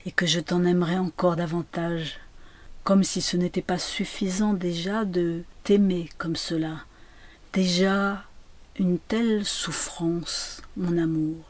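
A woman's voice: fairly low pitch, fairly even intonation, slow. A woman reading aloud and voicing a grieving woman who murmurs tenderly to her dead lover. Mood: hushed. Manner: hushed, intimate murmuring.

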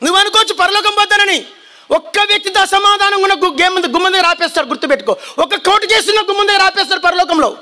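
A man preaching a fiery sermon to a congregation, shouting warnings and calling on listeners to repeat his words back to him. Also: extremely high pitch, rapid-fire. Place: church hall before a congregation.

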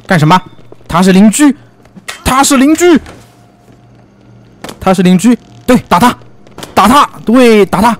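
A man giving lively, teasing commentary as he plays a video game, full of exclamations. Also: sits high, moderate pace. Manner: excitable, teasing, frequent exclamations and laughs. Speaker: gaming YouTuber. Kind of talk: let's play commentary.

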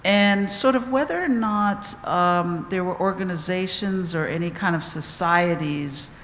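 A woman's voice: lowish voice, a little slow, a bit bright, a little hiss or hum. A woman in the audience asking the panel a long, meandering question, searching for words as she goes. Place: auditorium audience. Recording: roomy echo, distant from the mic, faint ambience.

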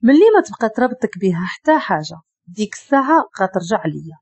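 A woman's voice: mid-range voice, sing-song, quick pace, breathy edge, no room sound. Woman voicing a jealous, pleading Moroccan ex-lover. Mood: bitter. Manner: pleading, bitter, shaky.

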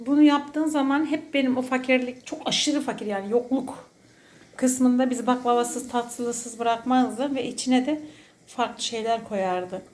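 A woman's voice: a little high, a little slow, darkish tone. A woman chatting casually as a daughter with her mother, affectionate and teasing. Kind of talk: casual chat.

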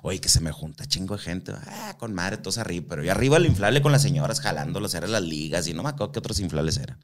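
The guest, a Mexican man, has a deep, expressive voice and a quick delivery. He tells relaxed stories loaded with slang and curse words, imitating the people he quotes.

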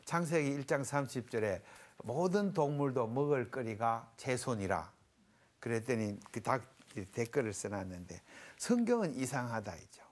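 A middle-aged pastor teaches scripture to a small panel. His pitch swings widely as he works through his points. He explains old Hebrew words with homely everyday examples. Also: expressive, normal speed. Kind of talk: televised Bible lecture with a panel.

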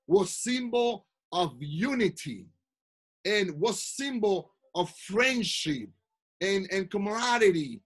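A man's voice: high-pitched, slightly rough. A man presenting a lesson on pin trading to youth learners, repeating himself, restarting phrases and adding asides to the learners. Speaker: Pathfinder instructor.

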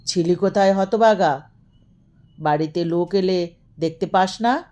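A woman's voice: on the low side, a little slow, a little mellow, muffled recording, natural voice. Woman voicing an irritable, imperious old master. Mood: imperious scolding. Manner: grumbling, scolding, calling out to servants.

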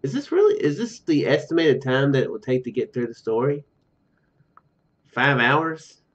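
A man's voice: medium pitch, sing-song, moderate pace. A young man doing casual let's play commentary, reading game text aloud and rambling into joking asides. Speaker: video game streamer. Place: small room at home, indoors. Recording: dull lo-fi home mic, music behind. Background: game music.

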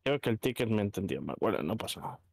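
A man's voice: fairly low pitch, big pitch swings, fast talker, vocal fry. A man chatting casually with gaming companions over voice chat.

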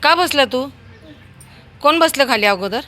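A woman's voice: sits high, animated, unhurried, pushed and bright. A woman chatting casually on her terrace as she films her dog and a small child, coaxing them along in a sing-song baby-talk voice. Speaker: pet owner filming her dog and a child. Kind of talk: casual home video chat. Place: home terrace outdoors.

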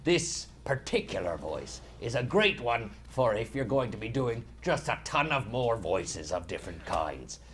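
A man's voice: medium pitch, very animated, unhurried, few pauses, fairly bright tone, slight background noise. A man streaming a video game live, joking and self-mocking as he comments on the play. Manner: jokey, self-mocking, bursts into silly voices. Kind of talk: comic live gameplay commentary.

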